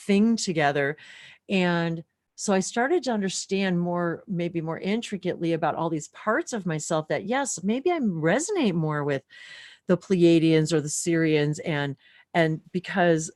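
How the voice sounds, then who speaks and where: A woman's voice: lowish voice, darkish tone, no room sound, clean studio sound. A woman hosting a live spiritual talk stream, musing aloud in a casual, searching way. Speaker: host.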